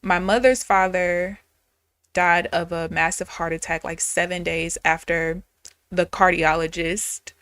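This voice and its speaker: A woman in her thirties talks with a somewhat low voice in a candid, chatty live-stream manner, addressing her viewers directly. The sound is close and dry, with no room around it. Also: fairly even intonation, unhurried, fairly bright tone, clean tone, no room sound. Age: 30s. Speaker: day trader streaming live. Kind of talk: casual live-stream chat.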